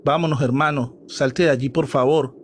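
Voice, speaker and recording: A man's voice: medium pitch, fairly even intonation, moderate pace, slight background noise, natural voice. A man voicing a frightened young girl who pleads and calls out to her brother. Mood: pleading. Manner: pleading, shouting from a distance.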